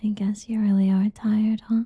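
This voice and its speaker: A young woman doing a whispered ASMR roleplay in a soft, teasing whisper, recorded close and dull. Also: medium pitch, level tone, normal speed, husky, dry recording.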